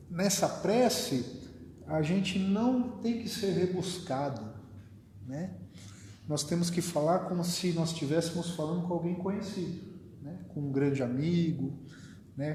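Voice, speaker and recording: A man speaks slowly and conversationally, keeping his pitch a little high. His informal spiritist talk keeps turning into a questioning tag. It is recorded in an echoey hall with faint background noise. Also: warm tone. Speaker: spiritist study group speaker.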